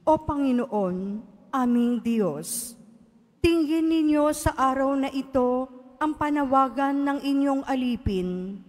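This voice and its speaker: A woman reading scripture aloud as lector at a church service, in a measured, solemn way. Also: high voice, darkish tone. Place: large church. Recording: long church reverb.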